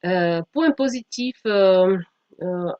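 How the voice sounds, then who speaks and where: A woman's voice: medium pitch, animated, dry recording. Hesitant woman presenter, dull lo-fi sound. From Slovakia. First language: Slovak. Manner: hesitant, halting delivery with frequent self-corrections. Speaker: language education researcher giving a presentation. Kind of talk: academic conference presentation.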